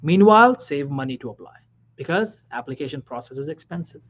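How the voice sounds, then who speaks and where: A man, a physician, giving career advice in a motivational talk, emphatic and repetitive, dropping now and then to a soft whisper. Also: on the high side, lively intonation, a little fast. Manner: emphatic, repeats key phrases, drops suddenly to soft whispers. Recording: dull lo-fi recording.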